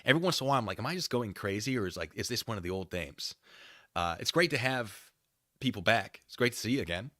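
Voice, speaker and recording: A man with a slightly low but bright, forward voice hosts a livestream. He rambles casually through his commentary and drops in playful, self-deprecating asides as he talks to viewers. The sound is dry, with no room around it. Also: lively intonation, fast talker, no echo.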